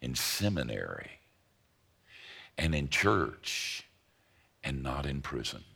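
A man preaching a sermon to his congregation, folksy and emphatic, with a dry joke now and then. His low voice has a gravelly edge, yet it sounds bright and forceful. He swings his pitch widely to drive each point home. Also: very animated, takes it slowly. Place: church service before a congregation.

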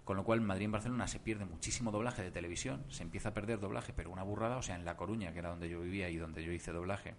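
A man with a very deep, low voice speaks as a podcast guest. He tells his stories in an animated way and wanders into asides, with a faint hiss in the background. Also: racing, hardly any pauses. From Germany. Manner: animated storytelling, many asides. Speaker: voice actor guest. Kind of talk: casual podcast interview.

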